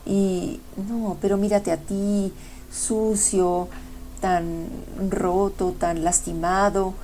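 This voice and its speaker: A woman's voice: medium pitch, little pitch movement, very slow, mellow, slight background noise, low-quality recording. A woman voicing Vanity as a haughty female figure in a spoken fable, sniffy and fussy.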